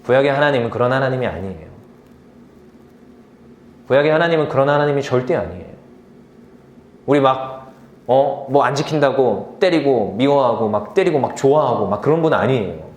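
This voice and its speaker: A man in his thirties preaches in a relaxed, conversational way and slips into the voices of the people in his stories. His pitch moves a lot, rising and falling as he talks. The room around him is roomy and echoing. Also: normal speed, pauses often. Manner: animated storytelling, acts out quoted voices. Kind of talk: casual conversational sermon. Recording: echoey room.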